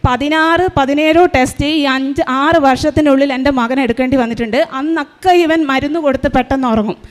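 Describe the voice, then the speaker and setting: A woman with a high voice gives an earnest church testimony as a mother. She retells her story tearfully, slowing down and pausing often. Her voice rings out in the long reverb of a large shrine hall.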